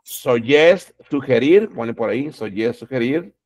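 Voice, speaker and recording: Man, teacher, drawn-out pace, repeats words, loud then quiet. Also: medium pitch, expressive. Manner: slow and drawn-out, repeats each word and its translation. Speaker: English teacher. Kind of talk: classroom lesson.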